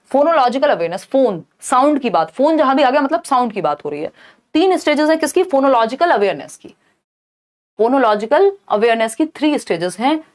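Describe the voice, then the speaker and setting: A woman teaching an online exam-prep lesson, explaining in Hindi and reading English questions out slowly. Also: fairly high pitch.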